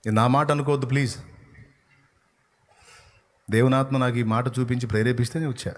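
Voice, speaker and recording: A male pastor preaches with emphasis, swinging from loud rebukes to low, earnest tones. His intonation stays fairly even and his delivery is brisk.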